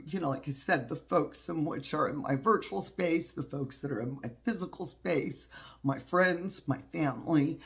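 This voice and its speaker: Congested low-voiced man, folksy talk. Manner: folksy, heartfelt, many fillers and restarts. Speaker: witchcraft channel host. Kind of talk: personal reflective talk.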